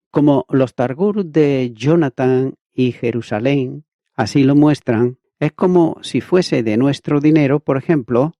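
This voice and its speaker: A man with a dark, mellow voice reads aloud an expository Bible commentary, steady and methodical, like a teacher working through prepared notes. The recording is dry and close, with a dull, slightly lo-fi sound. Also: medium pitch, no echo. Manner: measured, methodical reading of a prepared text.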